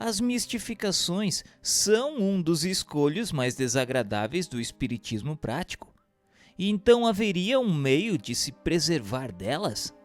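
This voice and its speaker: A man's voice: fairly high pitch, big pitch swings, measured pace. Formal male narrator over music. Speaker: narrator and questioner. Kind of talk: scripted reading in a radio drama. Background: music behind the voice.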